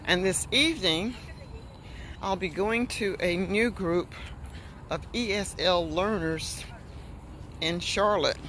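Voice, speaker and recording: An American woman from North Carolina, an English coach, talking slowly and deliberately to learners on a walk along a boardwalk, recorded on a phone. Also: fairly low pitch, a bit bright. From North Carolina, USA. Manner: slow, deliberate teacher talk while walking. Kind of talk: live-streamed walking chat. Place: outdoor boardwalk. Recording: outdoor noise with passing traffic.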